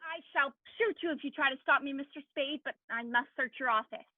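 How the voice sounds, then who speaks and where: A woman's voice: high-pitched, fairly quick, no echo, natural voice. A woman acting a shifty, politely menacing man in a film noir radio play, speaking formally and stiltedly over a thin phone-like sound.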